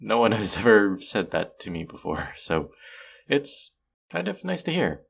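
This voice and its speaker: A man's voice: lowish voice, sing-song, measured pace, creaky, husky, full character voice. A man playing an awkward, apologetic and sweet young man who rambles nervously on the phone in an intimate audio roleplay. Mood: bashful, pleased. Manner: rambling, hesitant, self-deprecating, soft chuckles. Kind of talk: intimate one-sided audio roleplay, conversational.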